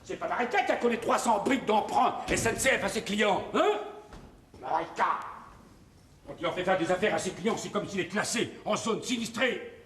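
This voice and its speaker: Crude loudmouth tycoon, bossy, high and lively voice, roomy stage sound from far off. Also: male voice, moderate pace, slight background noise. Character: crude, boastful nouveau-riche businessman. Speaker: stage actor. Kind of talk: televised 1970s stage comedy. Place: theatre stage.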